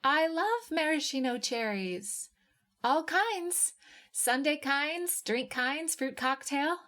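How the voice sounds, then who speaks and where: Female narrator as tipsy, heartbroken woman in literary audiobook; raised pitch, playful, insistent, blunt. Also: takes it slowly, exaggerated voice. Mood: playful pleading. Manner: higher, animated, insistent.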